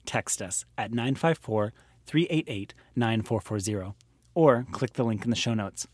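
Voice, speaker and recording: A man's voice: fairly low pitch, normal speed, dry recording. A man reading a scripted promotional announcement as an announcer.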